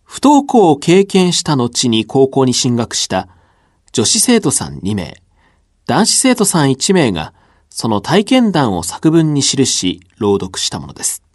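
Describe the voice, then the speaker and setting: A man hosting a radio program as its announcer, reading a polite, measured script in a studio. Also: medium pitch, huge pitch swings, no echo. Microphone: studio microphone.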